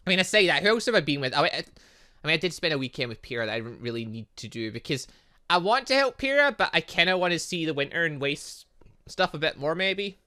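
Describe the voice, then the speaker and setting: Male gaming host, animated pitch, bright forceful tone, rambling casual commentary. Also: quick pace. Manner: rambling, reacts aloud to the game. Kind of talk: casual let's play commentary with read-aloud dialogue.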